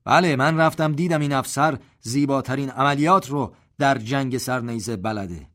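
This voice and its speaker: A man voicing a proud, white-haired army general who gives orders in a raised, loud voice. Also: mid-range voice, pitched above the performer's own voice, natural voice. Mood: commanding.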